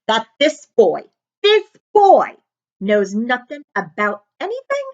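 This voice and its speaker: Woman acting out huge gruff storybook man, hot-tempered, drawn-out emphatic words, swooping pitch, slightly dull recording. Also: big pitch swings, heavily acted. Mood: indignant.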